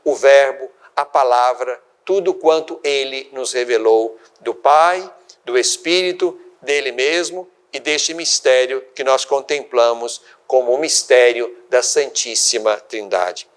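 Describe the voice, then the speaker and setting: An older man from Brazil, a bishop hosting a religious program, giving a sermon-like reflection in slow, deliberate, measured phrases. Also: mid-range voice, clean tone.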